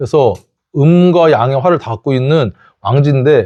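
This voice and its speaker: A man speaks in an animated tone. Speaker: saju fortune-telling teacher. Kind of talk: live lecture. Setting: live class with audience. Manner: speeds up, energetic in live class; animated, raised tone.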